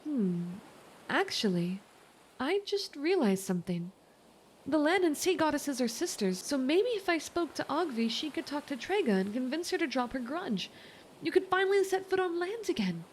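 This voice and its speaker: A woman playing a kind, reassuring young mermaid in an ASMR roleplay, chatty, gentle and earnest. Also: high voice, sing-song, normal speed, slight background noise, voice pushed up, poor audio. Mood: hopeful, persuading.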